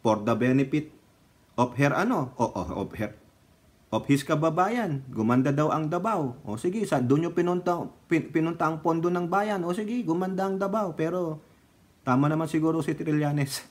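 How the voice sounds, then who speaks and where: At normal speed, a Filipino man vlogging on politics chats casually and teasingly, with frequent laughter and a habit of dropping from loud lines to low asides.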